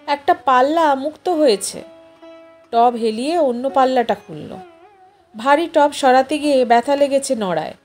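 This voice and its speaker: A woman's voice: sits high, darkish tone. A woman narrating a literary short story expressively as an audiobook reader. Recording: music behind the voice.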